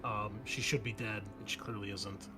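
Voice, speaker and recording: A man's voice: lowish voice, fairly even intonation, moderate pace, sharp tone, soft background music. A man narrating a tabletop roleplaying game as game master, improvising in a casual, profane way.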